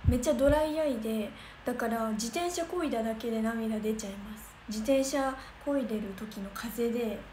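A woman's voice: on the high side, brisk, few pauses. Bubbly young woman chatting on a stream. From Kansai region of Japan. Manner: chatty, bubbly, thinks aloud with many fillers. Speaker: idol livestreamer. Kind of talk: casual livestream chat reading comments. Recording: echoey room with noticeable noise.

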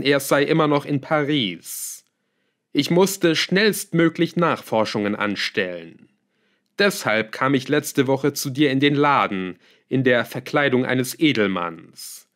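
A man voicing a scheming male villain in an audiobook, calm, smug and lightly scornful. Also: mid-range voice, pitched above the performer's own voice. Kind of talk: audiobook character voice.

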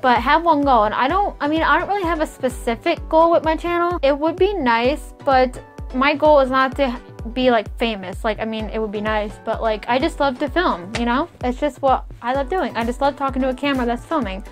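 Young female YouTuber, high voice, rambling and giggly, light stutter, faint music bed. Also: a little fast. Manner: rambling, many "like" and "kind of" fillers, giggly; stutters at times. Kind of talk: casual vlog advice.

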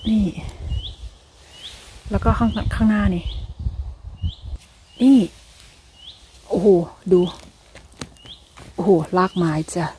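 Excited woman vlogging from a forest. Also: mid-range voice, a little hiss or hum. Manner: excited exclamations, talks to viewers. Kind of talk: casual chat while foraging. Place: forest outdoors.

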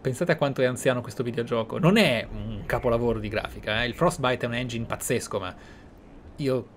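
A man's voice: mid-range voice, a little fast, slight background noise. A man with an Italian accent commentating on a video game, with theatrical delivery and reflective asides. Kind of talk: game commentary with read-aloud in-game letters.

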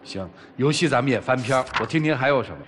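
A man hosting a TV relationship show, briskly cutting off arguments and moving on. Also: medium pitch, lively intonation, fairly bright tone, breathy edge. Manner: brisk, cuts arguments short. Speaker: TV show host. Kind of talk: moderating a couple's dispute. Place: TV studio.

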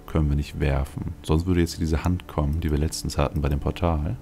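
Man, bottom-of-the-range bass voice, fry-laden, casual let's play commentary, wry thinking aloud. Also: level tone, a little fast, warm tone, slight background noise. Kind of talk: casual video game commentary. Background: game music.

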